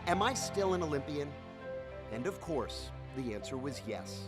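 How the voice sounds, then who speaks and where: A man narrating an inspirational video in a scripted, expressive way. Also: on the high side, normal speed. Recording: narration under loud music.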